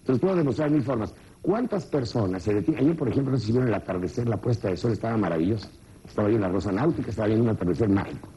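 Animated man quizzing a seminar audience. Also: on the low side, racing, breathy edge, poor audio. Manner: animated, joking, constantly questioning the audience. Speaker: motivational seminar speaker. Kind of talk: live seminar talk with audience questions. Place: seminar room with a live audience.

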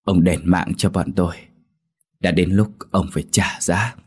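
A man's voice: deep voice, steady tone, measured pace, slightly rough, in a large hall. A man voicing a vengeful dead child ghost with a mournful wailing manner, in a spoken ghost story. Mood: menacing.

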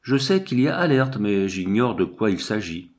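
A man's voice: on the low side, very animated, normal speed. A man doing a puzzled jewel guard.

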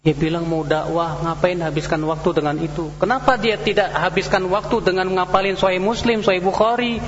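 A man's voice: high-pitched, brisk, slight background noise. A male preacher giving a sermon, telling stories and acting out the people he quotes. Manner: lively storytelling with acted-out quotes. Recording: dull lo-fi hall recording with faint music.

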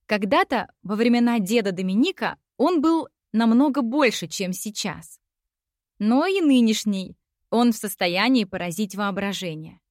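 A woman's voice: mid-range voice, a little mellow, dry recording, clean studio sound. A woman reading a first-person novel aloud in a reflective, wry manner. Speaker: audiobook narrator. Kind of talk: first-person literary narration.

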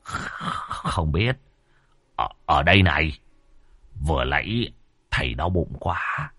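A panicked middle-aged village healer stutters his way through every sentence in this spoken horror tale, as a man puts him on. The voice leaps around wildly in pitch and sits dry and close to the mic. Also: big pitch swings, slow, sharp tone, slightly rough, no room sound, exaggerated voice. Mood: stammering fright. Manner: stammering, panicky.

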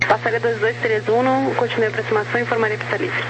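Male tower controller, Brazilian accent, very high pitch, quick radio phraseology over a noisy channel. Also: level tone. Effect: radio transmission. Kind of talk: rapid air traffic radio instructions.

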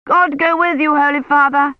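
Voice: sits high, animated, moderate pace, dry recording, pitched above the performer's own voice. A bossy old noblewoman barks orders in a raised, cutting voice, as an audiobook reader puts her on. She presses and insists, never letting a point go. The recording is dry and a little dull. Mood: insistent. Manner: sharp, commanding, insistent. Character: imperious complaining old noblewoman.

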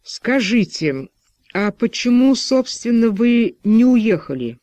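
A man's voice: extremely high pitch, very animated, slow pace, a little mellow, dry recording, pitched above the performer's own voice, heavily acted. A man voicing a stern postwar official who interrogates with pressing, insinuating questions.

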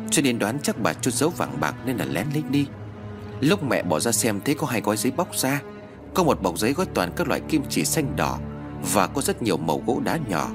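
A man's voice: mid-range voice, lightly acted. A man voicing a desperate young wife and mother who pleads in anguish in a spoken story.

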